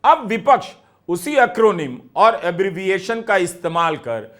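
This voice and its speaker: A man hosting and narrating scripted news commentary in a measured, explanatory way. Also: sits high, very animated, a bit bright.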